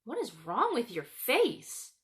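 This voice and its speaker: A woman's voice: a little high, huge pitch swings, slow, exaggerated voice. A woman voicing a sneering, cruel young boy in a storybook, irritable, snappish and mocking. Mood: disgusted, irritable.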